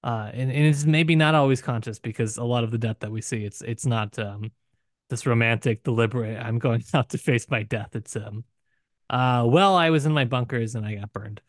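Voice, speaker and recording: A man co-hosting a podcast, talking through a book casually with emphatic, deliberate phrasing broken by pauses. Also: medium pitch, no echo, studio quality. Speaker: podcast co-host.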